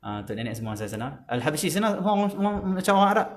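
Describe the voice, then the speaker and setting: Fast-talking Malaysian religious teacher. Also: male voice, fairly high pitch. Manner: lively, emphatic, conversational teaching. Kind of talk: religious lesson.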